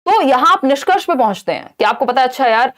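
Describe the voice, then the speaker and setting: Young indian woman teacher, highish voice, runs an exam lecture, asks and answers herself. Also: expressive, fast talker, a bit bright. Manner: explains in Hindi mixed with English terms, asks and answers own questions.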